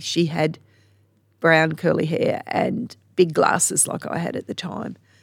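Speaking fairly slowly, a woman talks in an Australian accent. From Sydney, Australia, then rural Queensland. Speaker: gift shop owner. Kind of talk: personal testimony interview.

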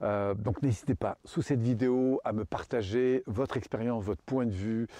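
Against a quiet background, a man speaks at a medium pitch in a dark, mellow tone. The sound is dry and close, with no echo. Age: 50s. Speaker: life coach. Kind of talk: motivational video monologue. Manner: halting, with many repetitions and fillers.

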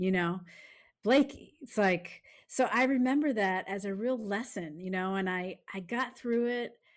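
A woman with an American accent and an unremarkable speaking voice, medium in pitch, at a fairly slow pace with ordinary pitch variation. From Maryland, near Washington DC. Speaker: jazz drummer. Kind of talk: casual panel conversation. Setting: video call.

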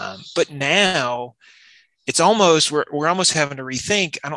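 A man with a Southern US accent talks at a fairly quick pace, his intonation lively and his tone bright and sharp. The sound is dry and close with no echo, over a quiet background. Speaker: pipeline industry guest.

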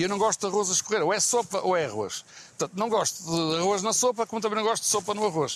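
A man speaks very fast in a high voice, with very even loudness and ordinary pitch variation. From Porto, northern Portugal. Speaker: media commentator. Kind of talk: interview. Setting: at his family's summer house.

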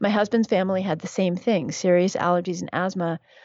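A woman with an American accent and a plain, everyday voice, medium in pitch, fairly quick in pace, with fairly even intonation. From New York City. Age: 50s. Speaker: physician, midwife and herbalist. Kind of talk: interview.

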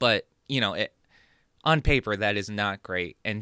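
A man's fairly low voice with a bright, sharp tone, on a very clean recording with a silent background. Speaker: podcast host. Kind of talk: casual monologue. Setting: home recording at desk. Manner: halting; rambling filler-heavy.

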